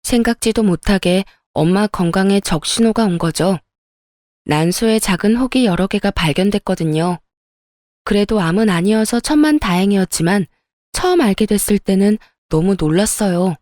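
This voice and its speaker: A woman's voice: mid-range voice, moderate pace, darkish tone, dry recording, studio quality. A woman narrating a real-life story in a confiding, indignant storytelling manner.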